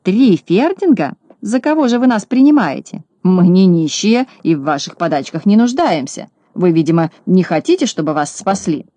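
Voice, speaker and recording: A reader voicing a shrewd male swindler who is quick to take offence, in a dry audiobook recording. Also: mid-range voice, steady tone, warm tone, dry recording, close to an everyday voice. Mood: indignant. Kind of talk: audiobook narration.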